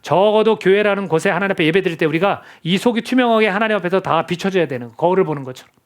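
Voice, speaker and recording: Earnest high-voiced male pastor preaching. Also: rapid-fire. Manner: earnest, conversational preaching with rhetorical questions. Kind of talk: sermon. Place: church sanctuary.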